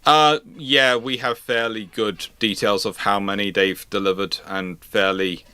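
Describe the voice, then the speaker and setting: Male live-stream host, bright forward voice, stammering explainer who often rephrases, close dry sound. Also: lowish voice, steady tone, clear, resonant tone, no room sound. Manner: halting, stammering, circles back to rephrase. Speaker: host answering audience questions. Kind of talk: live question-and-answer talk on military history and current affairs.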